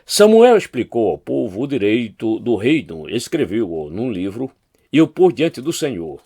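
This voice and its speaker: A man's voice: medium pitch, big pitch swings, measured pace, warm tone, slightly rough, dry recording, studio quality. A man with a Brazilian Portuguese accent, a pastor reading Bible chapters aloud and lifting his voice for quoted speech.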